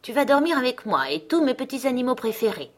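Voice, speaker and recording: A wild, knife-loving little robber girl, put on by a woman narrator in a storybook. She is bossy and teasing, with a high, forceful voice. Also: big pitch swings, quick pace.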